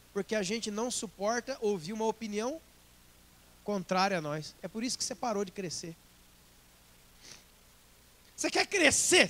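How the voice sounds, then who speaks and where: High-voiced Brazilian pastor preaching. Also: male voice. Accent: Brazilian Portuguese. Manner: lively, joking, with quick acted asides. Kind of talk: sermon.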